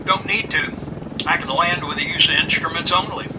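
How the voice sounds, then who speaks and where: A man acts a confident, easygoing pilot in a homemade radio play. His voice sits a little high, with a teasing, unruffled manner. Steady loud aircraft noise sits behind him. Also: normal speed, lightly acted. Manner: relaxed, teasing banter. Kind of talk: amateur radio drama acting.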